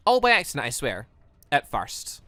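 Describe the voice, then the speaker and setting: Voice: medium pitch, wildly swooping pitch, normal speed, sharp tone, no echo, faint music behind. A gamer voicing a teasing, sly older mother from an anime visual novel, with smug, playful menace.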